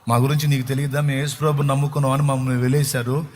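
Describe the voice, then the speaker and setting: A man's voice: mid-range voice, level tone, racing, darkish tone, a little hiss or hum, close to an everyday voice. A man voicing a poor young mother who wails and pleads over her child. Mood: pleading. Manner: wailing, pleading.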